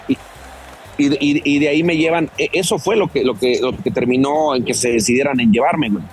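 A man talking casually as a podcast guest over an internet call, relaxed, slangy and full of restarts. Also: medium pitch, brisk. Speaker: guest, former footballer. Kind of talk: casual chat. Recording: remote call line with faint music.

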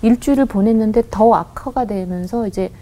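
A woman guest on a radio interview, earnestly recounting a personal story with halting restarts and quoted voices. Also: a little high, mellow, low-quality recording. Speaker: guest, company head.

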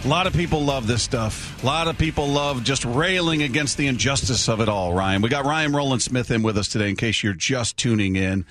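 A man's voice: medium pitch, fairly quick, hardly any pauses, fairly bright tone, soft background music. A man hosting a sports radio show in a studio, chatting casually and telling stories. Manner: chatty, laughs often, storytelling. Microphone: studio microphone.

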